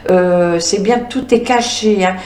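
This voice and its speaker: Female medium, mid-pitched voice, halting card reading full of fillers, recorded in a roomy space. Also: darkish tone. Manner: halting, many filler sounds, talks to the cards. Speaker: medium reading oracle cards. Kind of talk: spoken card reading with visions.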